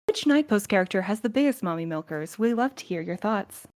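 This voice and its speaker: A woman's voice: mid-range voice, expressive, fairly quick, darkish tone. A woman in a podcast cast, chatting casually and playfully with the others. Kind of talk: casual panel chat.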